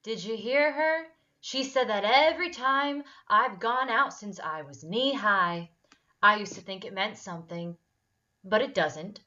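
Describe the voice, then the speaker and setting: A woman's voice: mid-range voice, expressive, measured pace, sharp tone. A woman playing a volatile, wounded, defiant teenage girl in a dramatic table read, over dull lo-fi audio. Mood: keyed up. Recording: dull, lo-fi online call audio.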